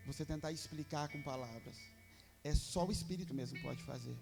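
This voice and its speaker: A man with a Brazilian Portuguese accent preaches in a church, earnest and fervent. His voice sits a little high with a gravelly edge. Soft music plays faintly underneath. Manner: earnest, fervent, repeats "Pai" in prayer. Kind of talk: sermon with prayer.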